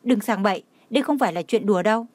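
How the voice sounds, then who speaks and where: A woman voicing a bossy young woman friend who scolds briskly, in a dry recording. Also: medium pitch, darkish tone, no room sound, close to an everyday voice. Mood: scolding.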